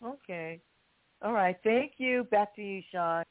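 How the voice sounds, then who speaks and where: Slow-talking male interviewer on a phone line. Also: high-pitched, no echo. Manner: slow, halting questions with fillers. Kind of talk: radio interview. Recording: dry, narrow phone-like sound.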